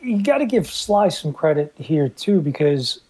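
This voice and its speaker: Breathy New man, 50s, earnest podcast co-host sharing memories. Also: on the high side, big pitch swings, unhurried, a little mellow, poor audio. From the Bronx, New York. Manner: earnest, reminiscing, repeats words as he starts sentences. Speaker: guest host. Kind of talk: casual podcast chat.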